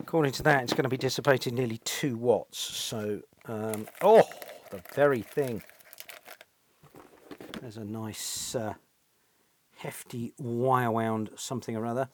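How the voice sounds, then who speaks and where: A man's voice: medium pitch, unhurried, slight background noise. A middle-aged British man giving casual hands-on repair commentary, thinking aloud and often tagging questions onto his remarks. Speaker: repair channel host, electronics technician. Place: small cluttered indoor electronics workshop.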